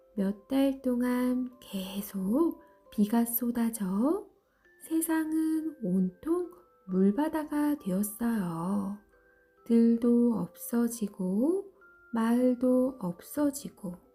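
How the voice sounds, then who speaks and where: A high-pitched woman's voice, gentle in tone with lively intonation, very slow in pace and very even in loudness, with music in the background. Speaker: storyteller. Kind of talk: bedtime story reading. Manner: soft, gentle.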